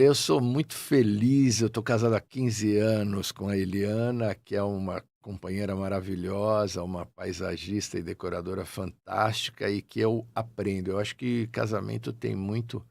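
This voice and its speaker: Gravelly older São Paulo man. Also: fairly low pitch, no echo. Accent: São Paulo Portuguese. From Brazil (São Paulo). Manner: warm, reflective, grateful. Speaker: guest, actor. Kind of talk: casual interview chat.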